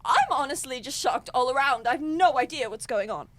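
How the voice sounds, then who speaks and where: A woman's voice: high-pitched, expressive, normal speed, a bit bright. A woman playing a comically evil, child-eating witch in a radio play, theatrical and easily flustered. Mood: stunned, awkward. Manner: theatrical cackling, flustered asides. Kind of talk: comedic audio drama acting.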